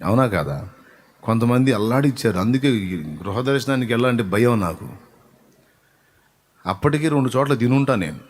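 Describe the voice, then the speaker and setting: Telugu pastor preaching with rising fervor. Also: male voice, medium pitch, expressive, normal speed, pauses often. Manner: swings from soft asides to loud rising exhortation. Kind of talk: sermon.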